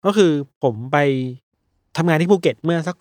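A man's voice: on the high side, normal speed, no echo, clean studio sound. A man co-hosting a casual podcast chat, telling stories with energy, acting out the callers he quotes, and swearing freely. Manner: animated storyteller, acts out quoted callers. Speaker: podcast co-host.

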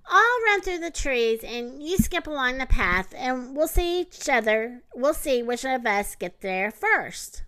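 Woman voicing a sly, bright-toned storybook wolf. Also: high voice, sing-song, unhurried, few pauses, exaggerated voice, poor audio. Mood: sly coaxing. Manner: sly, coaxing. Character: cunning, hungry male wolf, falsely polite. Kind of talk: children's storybook character voice.

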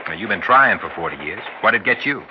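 A man's voice: fairly low pitch, lively intonation, fast talker, close to an everyday voice. An actor playing a brash, impatient businessman from New York, slangy and restless, in an old drama. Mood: brisk, dismissive. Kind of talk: old broadcast drama acting. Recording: muffled, noisy old drama soundtrack.

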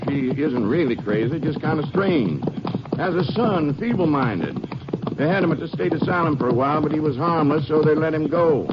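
A man's voice: a little high, expressive, moderate pace, lightly acted. A man playing a plainspoken rural Texas sheriff in a 1950s radio drama, talking in clipped, colloquial sentences. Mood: wry, explanatory. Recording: noisy, muffled old radio recording.

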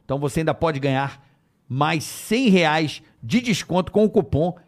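A man's voice: on the high side, lively intonation, moderate pace. A man hosting a casual podcast, joking around and reading sponsor ads in a hype voice. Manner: jokey, loud, reads ads in a hype voice. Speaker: podcast host. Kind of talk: casual chat with sponsor reads.

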